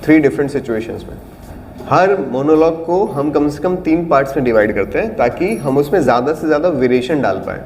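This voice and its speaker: A man's voice: on the high side, animated, a little fast, darkish tone. Man teaching an acting class in a reverberant room. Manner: explains patiently, demonstrates lines with shifting volume and tone. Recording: reverberant room with faint background noise.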